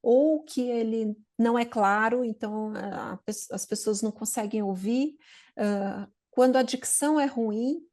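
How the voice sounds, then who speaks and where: A woman's voice: fairly high pitch, a little slow, a little mellow. A Brazilian woman hosting a talk show, reflecting on an experience and asking her guest short questions. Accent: Brazilian Portuguese. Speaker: podcast host. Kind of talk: casual interview chat.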